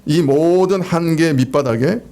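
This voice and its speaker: A man's voice: on the high side, measured pace, mellow. A man preaching a sermon as pastor, talking to the congregation in a conversational way and asking them rhetorical questions. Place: church sanctuary.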